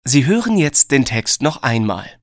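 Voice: mid-range voice, very animated, measured pace, no echo, studio quality. A narrator reading scripted listening test instructions in a formal, neutral manner. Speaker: exam narrator.

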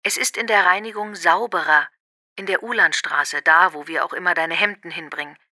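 Very bright sharp voice, actress as affectionate woman leaving her partner a voicemail, clear diction, dry sound. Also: lowish voice, normal speed, no echo. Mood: affectionate, asking. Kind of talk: acted voicemail message for a listening exercise.

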